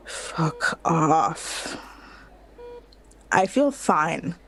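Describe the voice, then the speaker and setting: A woman playing a sardonic, weary hospital patient in a drama, with a deadpan, biting delivery. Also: deep voice, drawn-out words, vocal fry, exaggerated voice. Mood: irritated. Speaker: actor in a recorded play. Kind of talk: dramatic scripted dialogue.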